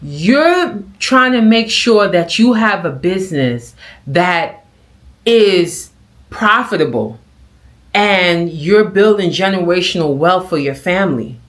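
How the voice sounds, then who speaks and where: A middle-aged woman vlogger giving casual reaction commentary, telling stories in an animated way with acted-out quotes. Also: a little high.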